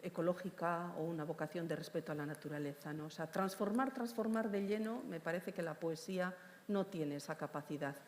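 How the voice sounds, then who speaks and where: Low-voiced woman poet in a reverberant hall. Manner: measured, hesitant with many fillers. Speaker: poet on a panel. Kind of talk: panel discussion. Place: large hall with long reverb.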